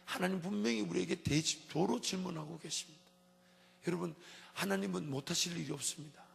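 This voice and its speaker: High, gravelly-voiced male pastor preaching. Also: fairly quick. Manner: emphatic preaching with repeated refrains; swings between soft and loud passages. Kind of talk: dawn service sermon. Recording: long church hall reverb.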